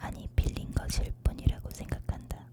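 A whisper delivered at a fairly slow pace. Noticeable background noise sits behind it. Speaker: online lecturer and ASMR channel host. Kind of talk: ASMR audiobook reading, bedtime whisper. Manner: whispered, soft, slow.

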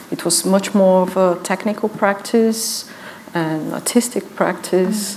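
Noticeable background noise fills the clip. A woman talks at a fairly slow pace. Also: medium pitch for a woman, fairly even intonation. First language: Portuguese. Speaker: architect and lecturer. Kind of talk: conference talk.

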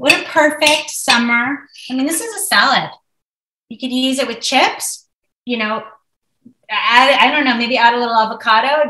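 A woman with an American accent, high pitch and a bright, sharp tone, lively intonation at a moderate pace, audible room echo over a quiet background. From Texas. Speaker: food and art educator; art educator. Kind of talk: cooking demonstration. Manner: animated. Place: kitchen. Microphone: webcam.

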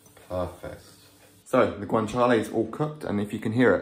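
Audible room echo surrounds a man who talks at a fairly quick pace with ordinary pitch variation. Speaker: home cook vlogger. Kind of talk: casual vlog chat. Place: kitchen. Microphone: phone near.

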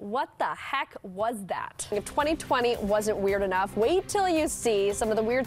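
Over faint music in the background, a woman with an American accent speaks at a moderate pace in an upbeat tone, fairly high in pitch with lively intonation. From Southern California. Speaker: TV news anchor and reporter. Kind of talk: TV news reporting. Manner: upbeat, casual. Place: studio. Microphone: lapel.

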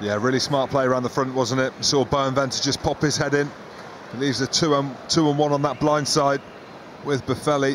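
The speech comes at a very fast pace with very even loudness. Noticeable background noise runs beneath it. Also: man, fairly high pitch for a man. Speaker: rugby co-commentator. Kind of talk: live rugby match commentary, analytical replay breakdown. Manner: animated, exclamatory bursts of praise; quick, clipped analytical fragments.

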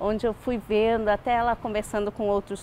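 A woman speaking at a moderate pace, fairly high-pitched, over light background noise. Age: 50s. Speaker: student of a natural health course. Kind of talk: testimony. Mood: warm, reflective, smiling. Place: garden. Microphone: lapel.

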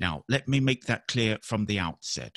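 A man speaks with a British accent. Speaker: assistive technology consultant. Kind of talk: software demonstration webinar. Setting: video call.

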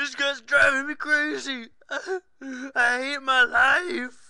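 The speaker is shouting at a high pitch and a fairly slow pace. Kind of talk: comic overacting. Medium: machinima. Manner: frantic, shouting, exasperated.

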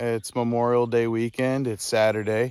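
A man's voice, dry with no echo. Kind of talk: casual vlog chat. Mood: upbeat, relaxed. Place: open country. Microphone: phone near.

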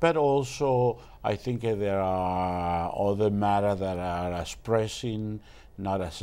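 A man's dark, mellow voice, fairly low in pitch, at a very slow pace with ordinary pitch variation. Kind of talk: interview. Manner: halting, hesitant. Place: studio. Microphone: lapel.

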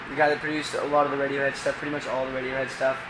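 Noticeable background noise sits behind a man speaking in a relaxed tone. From Tennessee. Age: 20s. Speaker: singer-songwriter. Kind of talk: interview answer. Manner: casual, relaxed. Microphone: camera far.

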